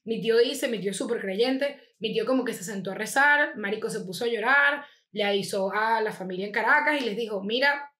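A young Venezuelan woman telling a wild family story in fast, slangy casual chat, acting out the people she quotes. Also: a little high. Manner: fast, slangy, animated retelling with acted quotes. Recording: echoey room.

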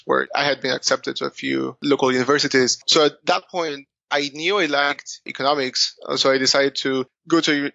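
A man in his thirties from Argentina, explaining his career at a steady, measured pace in a casual interview, with frequent "you know". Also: medium pitch, no room sound, dull audio. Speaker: guest entrepreneur. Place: office.

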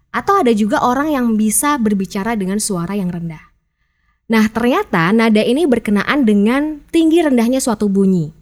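A woman teaching public speaking in a chatty, upbeat podcast lesson, acting out example phrases. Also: a little high.

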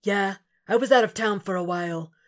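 Woman reading as a gruff ex-Marine man, cursing, commanding, loud and pressing, pitched up high. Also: moderate pace, lightly acted. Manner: cursing, commanding, rising insistence. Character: gruff foul-mouthed male ex-Marine, protective and angry.

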